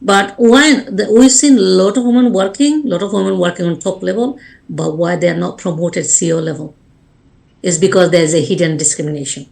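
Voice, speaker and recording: A woman's voice: lowish voice, a little fast, creaky, darkish tone. A woman from Bangladesh, speaking earnestly as a life coach and guest on a radio interview. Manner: earnest, speaks in short restarting phrases.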